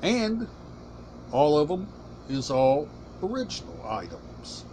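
Slow, halting man with a higher-pitched voice. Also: wildly swooping pitch, a little mellow, a little hiss or hum. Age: middle-aged. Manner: deliberate, halting, short emphatic phrases. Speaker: collection channel host. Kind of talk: casual show-and-tell vlog. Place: small room indoors.

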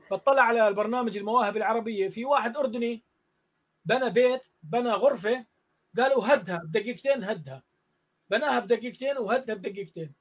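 A man with a Jordanian accent, a music teacher telling a story in a casual online interview and acting out the dialogue. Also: very high voice. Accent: Jordanian Arabic. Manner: animated, acts out dialogue in the story.

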